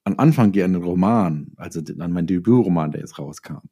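A man's voice: low voice, quick pace, dark tone, slightly rough. A middle-aged man chatting casually as an interview guest, telling stories from his working life and acting out bits of dialogue. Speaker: interview guest, author and filmmaker.

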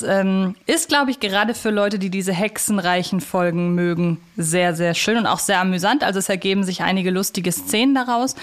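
A woman hosting a casual review podcast, wordy and opinionated, carefully qualifying her points. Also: medium pitch. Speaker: podcast host. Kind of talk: casual review chat about audio dramas.

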